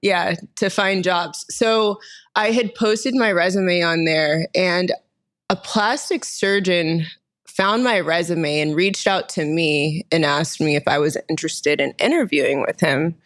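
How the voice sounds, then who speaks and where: Candid, lower-pitched woman in her thirties. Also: fairly bright tone. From Austin, Texas, USA. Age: 30s. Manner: candid, quick, laughs often while telling her story. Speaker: guest, nurse injector. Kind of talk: casual podcast interview.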